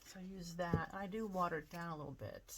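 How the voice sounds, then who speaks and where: A woman pottery artist giving a casual demonstration, chatty and relaxed, thinking aloud with plenty of fillers as she works. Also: fairly low pitch, fairly quick, background noise. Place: home pottery studio.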